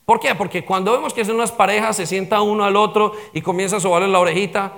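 Preacher guy, high voice with lots of gravel, emphatic, keeps asking the crowd questions. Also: steady tone, quick pace, fairly bright tone. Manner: emphatic preaching, rhetorical questions, asks for amens. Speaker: pastor. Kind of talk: sermon.

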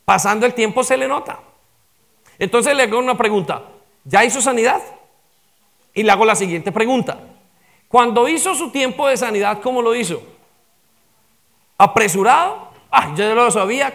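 High gravelly-voiced man preaching. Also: expressive, normal speed, pauses often, a bit bright. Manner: emphatic preaching, rhetorical questions, asks for amens. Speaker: pastor. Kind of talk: sermon.

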